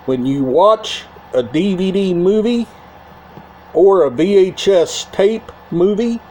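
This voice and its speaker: A man with a high, mellow voice speaks very slowly to his viewers as a casual video host. He breaks his sentences into short, halting phrases and tends to repeat them. The delivery is soft-edged and unhurried throughout. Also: lively intonation, a little hiss or hum. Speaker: YouTube channel host. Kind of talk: casual talk to camera about a media collection.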